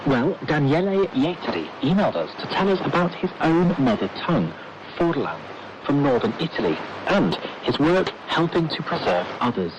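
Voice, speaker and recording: A man's voice: a little high, big pitch swings, normal speed, background noise. A man presenting and interviewing on a news magazine programme, heard over a muffled shortwave radio broadcast.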